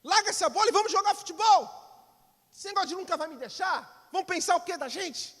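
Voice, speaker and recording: A man voicing an embarrassed twelve-year-old boy who hushes his little brother. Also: extremely high pitch, brisk, voice pushed up. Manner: hushed, flustered protests. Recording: long reverb of a church hall.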